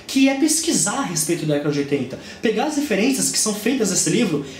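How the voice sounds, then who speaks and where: A man's voice: high voice, sing-song, fast, echoey room, slight background noise. A young man in his twenties with a Brazilian Portuguese accent, chatting enthusiastically through a casual book review. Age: 20s.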